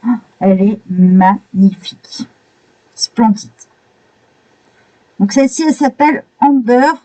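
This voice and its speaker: Mellow-voiced woman gushing over pages. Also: fairly high pitch, lively intonation, slow, poor audio. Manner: admiring, exclamatory. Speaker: coloring book reviewer. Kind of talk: casual flip-through commentary.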